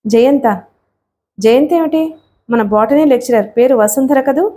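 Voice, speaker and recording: A woman's voice: high voice, measured pace, warm tone. A woman voicing a chatty, curious young woman talking with an old friend.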